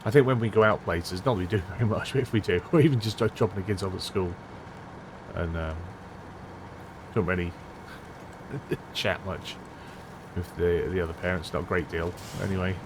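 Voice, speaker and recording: A man in his thirties talks through a game in an easy, chatty way, with a slightly low voice. He chuckles often between remarks, and his voice sounds a little strained and worn. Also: steady tone, moderate pace, long pauses, noisy background. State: voice strained, close to losing it. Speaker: gameplay commentator. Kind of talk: casual let's-play commentary.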